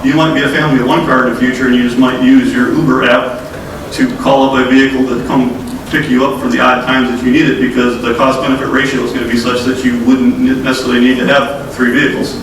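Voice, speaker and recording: A man's voice: medium pitch, little pitch movement, fast, few pauses. Folksy man speaking in an echoey hall. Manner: folksy, direct, addresses audience as folks. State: has a cold, losing his voice. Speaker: state transportation official. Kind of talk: conference presentation. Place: conference room. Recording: echoey hall, distant mic, noisy.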